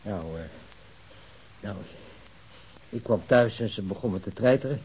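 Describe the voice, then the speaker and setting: An actor playing a browbeaten, confused husband who confesses to a killing, stammering and hesitant, in a radio drama. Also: male voice, lowish voice, measured pace, a little mellow, natural voice, poor audio. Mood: weary confession. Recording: faint hiss.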